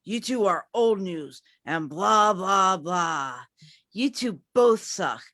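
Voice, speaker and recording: A woman's voice: medium pitch, lively intonation, slow pace, a bit bright, dry recording, studio quality. A woman reading the part of a scornful, bragging champion wrestler in a staged promo, taunting and dismissive.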